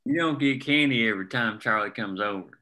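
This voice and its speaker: A man's voice: mid-range voice, brisk, pushed and bright, natural voice. A man reading the part of an easygoing working family man and union organizer, casual and plain-spoken, in a drama table read. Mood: casual, low-key.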